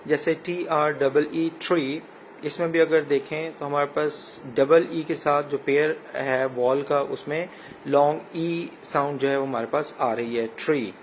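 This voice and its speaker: A man with a Pakistani accent teaching an English lesson, spelling words letter by letter and pausing with frequent hesitations. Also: a little high, slight background noise, poor audio. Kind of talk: recorded classroom lecture.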